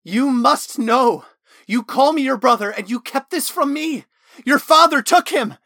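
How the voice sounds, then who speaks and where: A male narrator voicing a brooding veteran fighter who speaks solemnly and then shouts manically, his voice climbing high. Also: moderate pace, no echo, studio quality, lightly acted. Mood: manic shouting.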